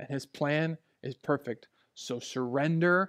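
A man with an ordinary speaking voice and a fairly high pitch, against a quiet background. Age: 30s. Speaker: pastor. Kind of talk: sermon. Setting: church. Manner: casual, conversational with fillers.

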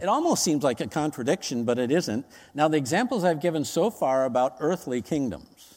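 An ordinary speaking voice moves at a fairly quick pace with lively intonation and very even loudness. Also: man, fairly high pitch for a man. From Minnesota. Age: 60s. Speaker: pastor. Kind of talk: sermon. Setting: church.

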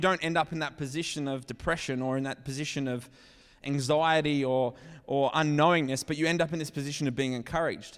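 A man with an Australian accent, fairly high-pitched and very fast, on a very clean recording with a silent background. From Queensland, Australia (Sunshine Coast). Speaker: lay preacher. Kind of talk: sermon. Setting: church.

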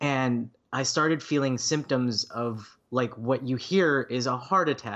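With an unremarkable speaking voice, a man talks at a fairly slow pace at a medium pitch, his pitch varying in an ordinary way. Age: 30s. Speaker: podcast guest receiving a tarot reading. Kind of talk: casual chat.

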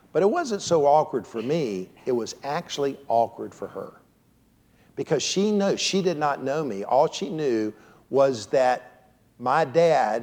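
Fairly high in pitch, a man with an unremarkable speaking voice talks at a fairly slow pace with lively intonation. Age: 60s. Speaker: preacher. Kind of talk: sermon. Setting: church.

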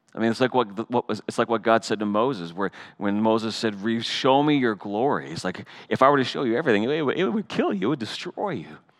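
Very fast and with lively intonation, a man speaks at a medium pitch. The sound is dry and close, with no echo. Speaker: pastor. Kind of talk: sermon. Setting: church service with congregation. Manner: loud.

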